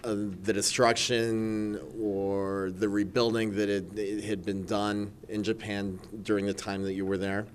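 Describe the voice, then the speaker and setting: A man interviewing a veteran for an oral history, asking measured follow-up questions. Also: lowish voice, flat delivery, a little hiss or hum.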